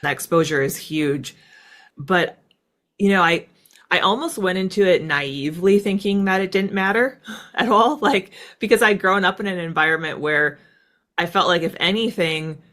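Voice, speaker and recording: A woman's voice: on the low side, moderate pace, fairly bright tone. An American woman talking as an interview guest in a casual, reflective storytelling style, often dropping in "like" and "right.". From United States. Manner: conversational, peppered with "like" and "right". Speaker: interview guest, former military fighter pilot.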